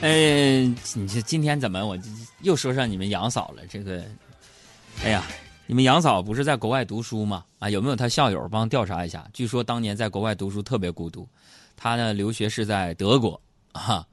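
A man's voice: fairly quick, faint music behind. A man with a Northeastern Chinese accent hosting a comic storytelling monologue, playful and teasing, jumping into mock voices. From Northeast China. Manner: jokey, playful teasing, sudden jumps into high mock voices. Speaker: host.

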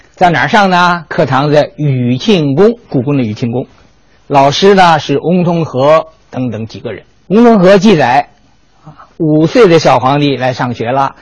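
Husky, lively male history storyteller. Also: fairly high pitch, no room sound. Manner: lively, colloquial, dramatic asides. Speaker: history lecturer. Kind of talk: storytelling lecture.

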